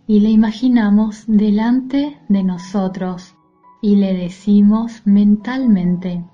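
A woman leading a guided mindfulness meditation in a soothing, gentle, soft-spoken manner. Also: mid-range voice, dull audio. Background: music.

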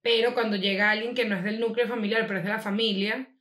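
A woman's voice: mid-range voice, fairly even intonation, fast talker, fairly bright tone. Opinionated Venezuelan woman in an echoey room. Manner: blunt, opinionated, acts out quotes. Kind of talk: casual chat. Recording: roomy echo.

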